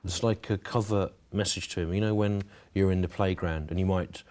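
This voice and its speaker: Deadpan low-voiced Englishman. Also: moderate pace. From English Midlands. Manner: dry, hesitant, mock-earnest. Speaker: comedian being interviewed. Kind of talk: deadpan comic interview.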